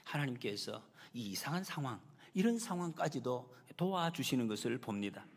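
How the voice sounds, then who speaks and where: A male pastor preaches with a lively, rising and falling delivery, and his slightly husky voice rings through a church with a long, trailing reverb. He bursts into raised, acted-out lines when he voices the people in his story. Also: medium pitch, moderate pace. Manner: animated, acts out quoted lines with raised voice. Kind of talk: sermon. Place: church sanctuary.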